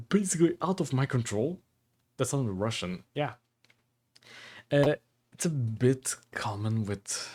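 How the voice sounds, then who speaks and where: Calm Portuguese-accented man streamer. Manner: deliberately lowered, calm voice; chuckles often between phrases. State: dry throat. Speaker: livestreamer. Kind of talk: casual stream chat reading viewer comments.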